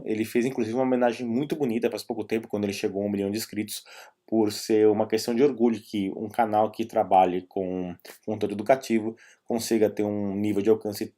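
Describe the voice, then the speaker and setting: A man's voice: lowish voice, dark tone. A man with a Brazilian Portuguese accent talking casually as a vlogger, explaining and recommending things in a conversational, rambling way with asides.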